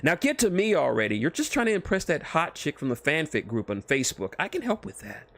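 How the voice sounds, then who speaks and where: A man's voice: a little high, huge pitch swings, fairly quick, vocal fry, fairly bright tone, voice pushed up, exaggerated voice. A man voicing a brash, vain, crude wisecracking mercenary antihero in a fan fiction reading, impatient and cheeky. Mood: pushy. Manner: impatient, cheeky, self-aware heckling.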